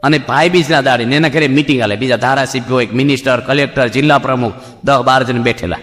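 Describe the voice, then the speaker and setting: A man's voice: mid-range voice, quick pace, a bit bright. A man who is a Hindu monk, giving a humorous sermon to a seated audience, joking and often asking them questions. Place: assembly hall before a seated audience. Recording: reverberant hall with faint music.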